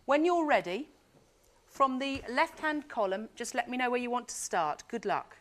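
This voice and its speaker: A woman's voice: on the high side, lively intonation, moderate pace. A woman hosting a game show, reading quiz questions and cheering contestants on in a chatty, exclamatory way.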